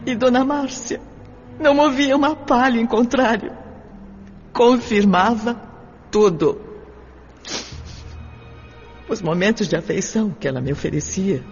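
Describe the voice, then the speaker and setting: A wounded young Brazilian orphan woman in a radio drama, confiding in a plaintive, measured voice pitched quite high. The sound is dulled, and music plays softly behind her. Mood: bitter, then sorrowful, wistful. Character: orphaned adopted young woman, hurt and sorrowful. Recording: dull sound with long reverb, music behind.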